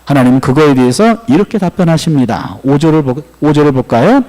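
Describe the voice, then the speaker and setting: Male pastor, high lively delivery, dramatizes scripture dialogue, long hall reverb. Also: quick pace. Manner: dramatic, acts out dialogue between God and prophet. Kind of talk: sermon. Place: large church sanctuary.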